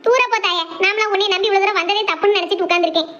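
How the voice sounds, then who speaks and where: High-pitched cartoon women, rapid, lo-fi audio. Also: female voice, fairly even intonation, fairly bright tone. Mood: grumbling. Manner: fast, high-pitched chatter. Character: young village women, bride and elders.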